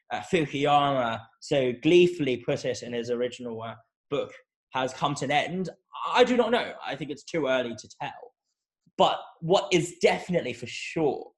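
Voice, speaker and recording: A young male academic giving an analytical interview answer, measured and hedging, often repeating words as he restarts. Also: mid-range voice. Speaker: academic guest.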